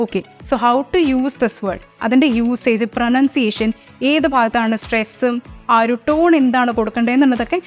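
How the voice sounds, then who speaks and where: A young woman with a Malayali English accent, teaching an exam-prep lesson and switching between Malayalam and English. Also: high-pitched. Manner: mixes Malayalam with English phrases. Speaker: language trainer. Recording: soft music underneath.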